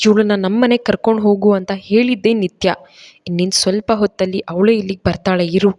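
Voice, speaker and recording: A woman's voice: mid-range voice, fairly even intonation, a little fast, dark tone, dull audio, natural voice. Woman reading as a stern righteous husband, reproachful, lecturing, storybook audio drama.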